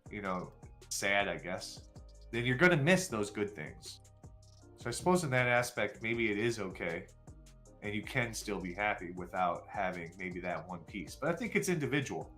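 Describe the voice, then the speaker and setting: Candid, rambling man in his forties, low-voiced. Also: lively intonation, normal speed, a bit bright, faint music behind. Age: 40s. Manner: candid, rambling and self-deprecating, with frequent fillers. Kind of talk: casual chat with viewers.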